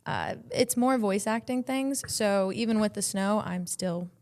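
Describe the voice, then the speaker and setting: A young woman with a mid-range voice, talking as a podcast guest. She explains things clearly and calmly in a measured way. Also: medium pitch, crowd noise. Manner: articulate, measured, explains clearly with a light laugh. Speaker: podcast guest, model and voice actress. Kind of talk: casual interview chat.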